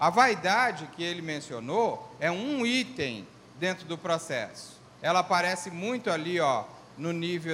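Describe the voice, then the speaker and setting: At a fairly slow pace, a man speaks with lively intonation and a high pitch. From Brazil. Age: 60s. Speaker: spiritual author and medium. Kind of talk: lecture.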